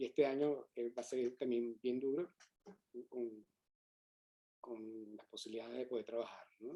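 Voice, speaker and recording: A man's medium-pitched voice, dark and mellow in tone, with fairly even intonation, a fairly slow pace and long, frequent pauses. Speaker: ornithologist. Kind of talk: lecture Q&A.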